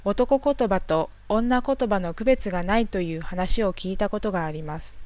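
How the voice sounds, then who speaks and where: A woman from northeastern Japan narrating a language lesson in a calm, measured, explanatory way. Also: medium pitch. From Tohoku, Japan. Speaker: language teacher.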